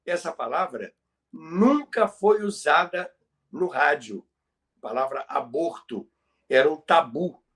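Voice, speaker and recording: A man's voice: on the high side, expressive, slow pace, a bit bright. A Brazilian man telling radio history conversationally as a podcast presenter, explaining things emphatically and repeating key phrases for effect.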